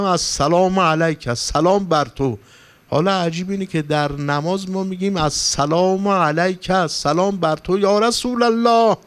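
A man delivers a sermon as a cleric, his slightly high voice clear and resonant. He tells stories with passion and climbs to emphatic, pleading peaks. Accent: Persian, from Iran. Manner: impassioned storytelling, rising for emphasis. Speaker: cleric preacher. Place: religious gathering hall.

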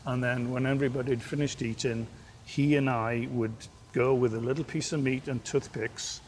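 A man's voice: medium pitch, moderate pace, a little hiss or hum. An older man from Wales speaks in an easy, articulate way, recorded outdoors on a lapel mic. Faint outdoor ambience sits under his voice. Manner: articulate, relaxed storytelling. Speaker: aquarium director. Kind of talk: TV interview. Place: outdoors at a seaside aquarium.

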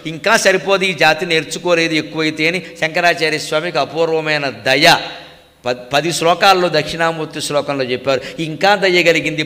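An older man with a Telugu accent giving a spiritual discourse in Telugu, now and then chanting Sanskrit verses slowly in a sing-song. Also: fairly high pitch, bright, forceful tone. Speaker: spiritual speaker. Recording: long hall reverb.

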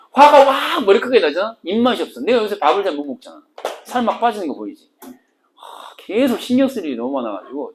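A woman teacher lectures on a literature text in a lively, sing-song voice that swings widely in pitch. She teases and jokes with her students and slips between polite and casual speech. A faint hiss with small clicks sits under the recording. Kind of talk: exam-prep literature lecture.

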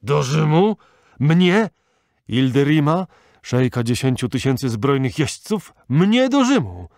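Furious old sheikh played by a man, shouting high and loud, dry close sound, storybook reading. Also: unhurried, no echo, natural voice. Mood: outraged. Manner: shouting in outrage, rising pitch. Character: enraged old male Arab sheikh, proud and fierce.

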